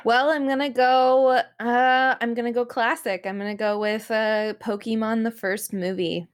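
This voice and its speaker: A woman's voice: a little high, fairly even intonation, normal speed, clean tone. A woman on a podcast panel chatting casually and gushingly, often correcting herself as she goes. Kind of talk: casual chat.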